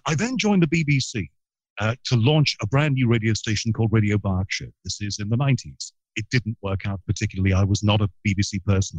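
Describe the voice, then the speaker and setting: A middle-aged radio broadcaster from Liverpool with a trained neutral English accent tells long, rambling stories with plenty of asides in a guest interview. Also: male voice, fairly low pitch, no echo, low-quality recording. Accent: neutral southern English broadcast accent. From Liverpool, England. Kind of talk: anecdotal interview storytelling.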